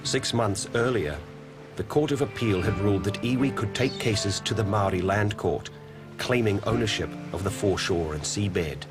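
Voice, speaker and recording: Deep-voiced New documentary narrator. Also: male voice, normal speed, loud music behind the voice.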